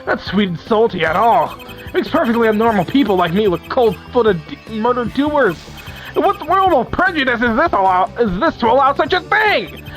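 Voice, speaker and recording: A man's voice: very high-pitched, big pitch swings, normal speed, a bit bright, soft background music, voice pushed up, exaggerated voice, poor audio. A man voicing a creepy, gleefully unhinged male villain in prison, reading game dialogue aloud in a theatrical, taunting way.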